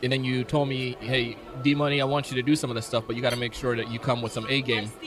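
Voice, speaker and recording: Over noticeable background noise, a man with a medium pitch speaks very fast in a flat monotone. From Jamaica. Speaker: event emcee. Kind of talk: casual interview chat.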